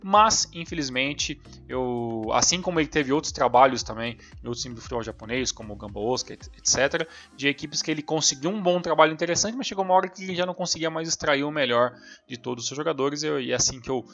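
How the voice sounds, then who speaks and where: A man's voice: on the high side, fast, few pauses, a bit bright, muffled recording. A man co-hosting a podcast, chatting casually about football, rambling with many fillers and restarts. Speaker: podcast co-host.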